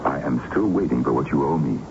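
An actor playing a menacing colonel with measured, threatening formality in a radio drama. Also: male voice, extremely low pitch, expressive. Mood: cold menace. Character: menacing colonel calling in an old debt. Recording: dull, noisy old radio broadcast recording.

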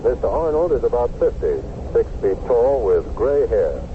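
An actor playing a formal radio news announcer reading a bulletin in a drama. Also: male voice, mid-range voice, very animated, normal speed, natural voice. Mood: urgent, formal. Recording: noisy, tinny old radio broadcast.

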